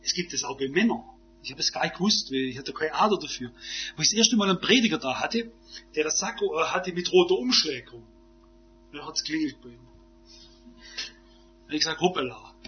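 High-voiced emphatic man preaching a sermon. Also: animated, moderate pace, pauses often, faint music behind. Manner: emphatic, rhetorical questions, swings from loud to hushed. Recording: dull lo-fi recording.

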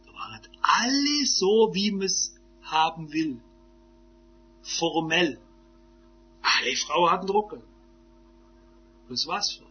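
A man preaches in a high voice. He fires off rhetorical questions and shifts between forceful outbursts and quiet asides. The recording sounds dull and lo-fi. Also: animated, slow, pauses often. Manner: emphatic, rhetorical questions, swings from loud to hushed. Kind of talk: sermon.

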